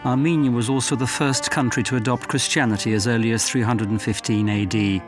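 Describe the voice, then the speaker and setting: A man giving measured, formal scripted narration for a documentary. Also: medium pitch, steady tone. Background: music.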